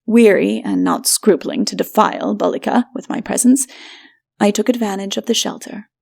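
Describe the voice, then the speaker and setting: A woman's voice: medium pitch, steady tone, normal speed, creaky, a little mellow. A woman reading a story aloud as dramatic, scripted audiobook narration.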